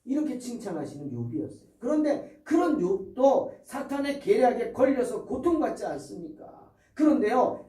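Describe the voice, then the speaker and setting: Heard from a distance in an echoey church hall, a man with a high voice and dark tone preaches as pastor in the sanctuary. His sermon is fervent and full of rhetorical questions aimed at the congregation.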